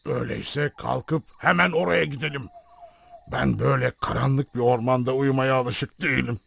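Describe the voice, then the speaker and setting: A man voicing a fatherly donkey who leads an animal band, with a gravelly voice and a hearty, commanding manner, in a fairy-tale cartoon. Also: medium pitch, fairly even intonation, normal speed, a bit bright. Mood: decisive.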